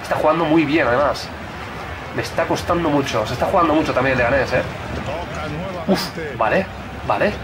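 A young man giving excitable commentary on his football video game career, shouting at chances and goals. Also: a little high, a little fast, long pauses. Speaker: gaming youtuber.

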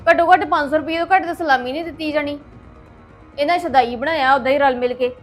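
A young woman playing a young woman of the house who complains fast and grumbles. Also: high voice, steady tone, soft background music, natural voice. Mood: grumbling. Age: young adult.

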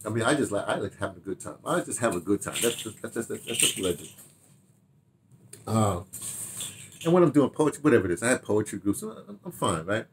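An American man in his seventies reminiscing casually to camera in an animated, rambling way, with repeated phrases and asides. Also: fairly low pitch, fairly quick, a little hiss or hum. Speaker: audio dramatist and theater director telling his memoirs. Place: small home study, indoors.

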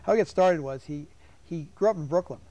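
A man's voice: on the high side, a little fast, warm tone, no echo, poor audio. An older man in his seventies from New York, hosting a casual TV studio interview and telling stories with frequent laughs. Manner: chatty, storytelling, laughs often. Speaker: host.

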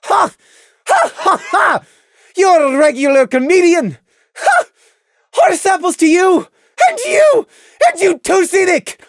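A woman's voice: extremely high pitch, very animated, slow pace, no echo, clean studio sound, pitched above the performer's own voice, full character voice. A woman voicing a bitter, despairing young female pony in an audio story, ranting tearfully and spitefully. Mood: spiteful rage.

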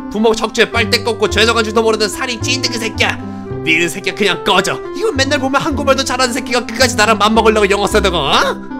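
A man voicing a foul-mouthed, cantankerous old granny who scolds and rants in a comic webtoon dub, with music behind. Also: high-pitched.

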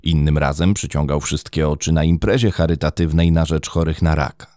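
Deep-voiced man narrating true crime. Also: steady tone, a little fast, darkish tone, no room sound, studio quality. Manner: dramatic storytelling, wide pitch swings.

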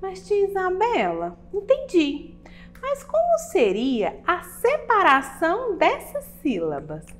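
A woman's voice: extremely high pitch, huge pitch swings, slow pace, pitched above the performer's own voice, heavily acted. A woman voicing a curious young schoolchild who eagerly asks the teacher questions.

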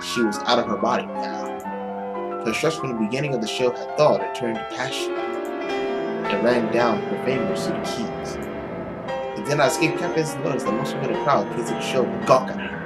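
A young man reading a visual novel aloud in a theatrical, expressive storytelling style. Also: medium pitch, a little fast. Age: young adult. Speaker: gaming video host. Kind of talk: dramatic read-aloud narration of a visual novel. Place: small room at home, indoors. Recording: loud music under the voice. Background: loud game music.

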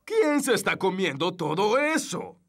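A man's voice: high-pitched, big pitch swings, unhurried, gravelly, a bit bright, exaggerated voice. A man playing a hesitant, jovial fairy king in a Latin American Spanish cartoon dub.

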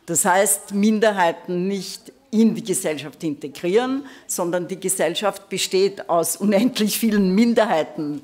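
An older woman giving an academic lecture at a conference lectern, speaking in a measured, deliberate way with frequent hesitation fillers. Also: medium pitch. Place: conference hall, standing at a lectern. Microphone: lectern microphone.

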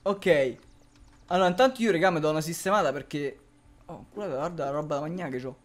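A man with a fairly high voice talks at a quick pace while casually commentating a survival game. Frequent laughter, lots of swearing, and yelling at zombies mark his play-through.

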